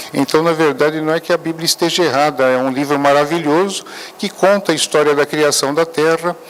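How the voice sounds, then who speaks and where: Noticeable background noise sits behind a man with a fairly high pitch. He keeps a moderate pace and fairly even intonation. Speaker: spiritist lecturer. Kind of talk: lecture. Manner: halting.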